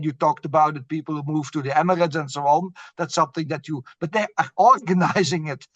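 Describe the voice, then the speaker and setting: A man's voice: fairly high pitch, fairly bright tone, dry recording. A middle-aged man, a bank strategist, answering interview questions earnestly and often repeating words as he searches for them. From Belgium. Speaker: bank chief strategist, guest.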